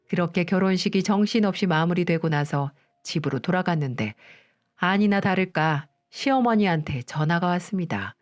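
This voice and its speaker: A woman narrating a scripted first-person story calmly. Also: fairly low pitch. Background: soft background music.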